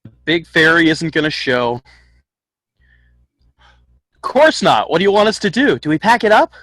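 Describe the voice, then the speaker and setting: A man's voice: a little high, big pitch swings, moderate pace, fairly bright tone, dry recording, studio quality. A man acting a cocky, taunting young ski rival in a screenplay table read. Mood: smug.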